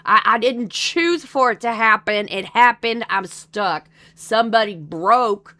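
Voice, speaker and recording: A woman's voice: a little high, animated, a little slow, sharp tone. A woman with a Texan drawl hosting a livestream, chatting casually and rambling with lots of swearing. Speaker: streamer host.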